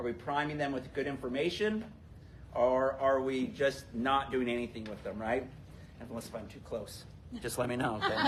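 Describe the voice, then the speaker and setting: A man's medium-pitched voice with big swings in loudness, plus audible room echo and noticeable background noise. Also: ordinary pitch variation, moderate pace. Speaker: conference presenter. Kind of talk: workshop presentation. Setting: small breakout room, no microphone. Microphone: no microphone.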